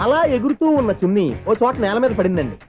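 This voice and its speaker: An eager young story pitcher. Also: male voice, big pitch swings, quick pace, darkish tone, faint music behind. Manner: eager, deferential, keeps saying sir. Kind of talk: film comedy acting.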